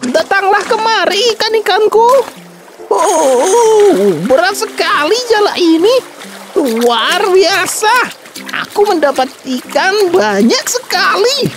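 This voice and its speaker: A woman voicing a slow, earnest old fisherman. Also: very high voice, sing-song, loud music behind the voice, exaggerated voice. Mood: excited. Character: elderly male fisherman, hardworking and stubborn.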